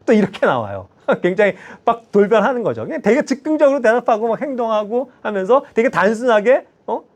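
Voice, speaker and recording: Animated, high-voiced male lay preacher. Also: brisk. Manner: animated, keeps prodding listeners with questions. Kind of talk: sermon. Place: church.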